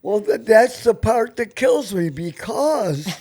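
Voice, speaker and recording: A man's voice: sits high, animated, slow pace, crowd noise. An older man hosting a casual talk show, telling stories and bantering in a blunt, profane way. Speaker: show host.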